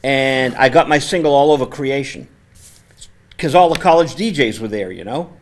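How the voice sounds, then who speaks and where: A man hosting a casual studio interview, speaking with a naturally loud, conversational voice into a microphone set on the table. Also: mid-range voice, moderate pace. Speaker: host. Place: community access TV studio.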